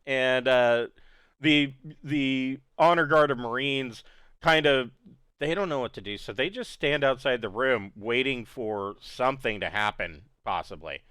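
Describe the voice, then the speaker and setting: Man, game master, tabletop narration, smooth voice, dry close sound. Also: mid-range voice, a little slow, fairly bright tone, no room sound. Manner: laughs often, voices characters briefly.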